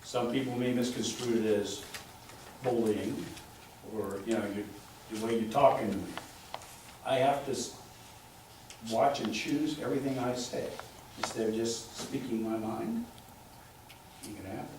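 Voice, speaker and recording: A council member with a gruff, loud voice who speaks bluntly and defiantly in a meeting debate. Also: male voice, medium pitch, moderate pace, pauses often, noisy background. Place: council chamber. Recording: very echoey chamber audio from far off.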